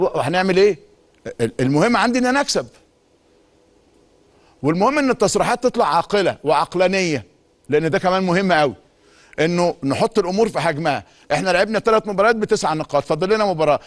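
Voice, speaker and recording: A man's voice: sits high, lively intonation. A middle-aged man with an Egyptian Arabic accent, a sports talk show host delivering an emphatic monologue full of repeated insistent phrases. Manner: rapid, emphatic, repetitive insistence. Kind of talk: monologue commentary.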